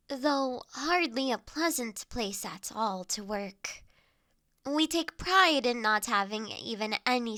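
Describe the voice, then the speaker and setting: High-voiced, unhurried noblewoman, acted by a woman. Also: no echo. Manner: formal, genteel phrasing, measured with soft trailing endings. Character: refined young noblewoman, mine overseer, poised, authoritative yet kindly. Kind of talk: scripted audio roleplay addressed to listener.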